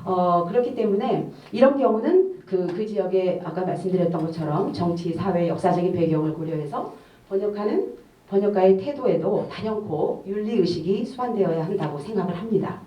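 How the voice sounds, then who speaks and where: A middle-aged woman giving a formal academic discussion at a conference, measured and hesitant, with frequent fillers. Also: mid-range voice. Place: conference hall. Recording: echoey hall, distant muffled mic.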